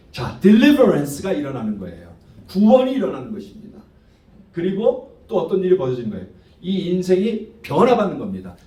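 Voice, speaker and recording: Preaching with animation, this pastor has a slightly high voice and comes from the Korean diaspora as a 1.5-generation immigrant. His sermon blends Korean with English words and phrases and is peppered with rhetorical questions aimed at the congregation, picked up by a distant mic in a roomy space.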